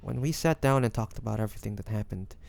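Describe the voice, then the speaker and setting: A man playing a devoted, anguished young man in an intimate fantasy romance audio drama, speaking haltingly and emotionally with pauses and sighs. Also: on the low side, creaky, a little mellow. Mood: fervent, pained.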